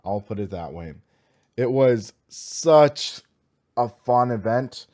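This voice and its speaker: An American man in his twenties with a slightly hoarse voice, chatting casually and enthusiastically as he hosts a gaming livestream. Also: medium pitch, expressive, slow pace, a little mellow. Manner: upbeat, enthusiastic, informal. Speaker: host of a sim racing livestream.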